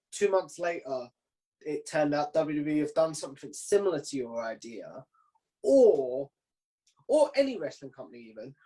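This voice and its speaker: A man's voice: on the high side, dark tone, poor audio. A man hosting a casual, informal interview, asking questions in a conversational way. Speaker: interviewer, host.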